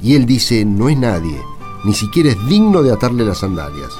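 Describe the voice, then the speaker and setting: An actor playing an excitable, gruff peasant husband in a radio play, speaking colloquial, emphatic Argentine Spanish. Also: male voice, mid-range voice, normal speed, music in the background, close to an everyday voice. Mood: earnest, emphatic.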